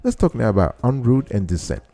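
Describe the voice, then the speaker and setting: A man's voice: mid-range voice, sing-song, fairly quick, gravelly, dark tone. A man hosting an informal explainer, teaching step by step and restating key phrases to his listeners. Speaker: show host and explainer.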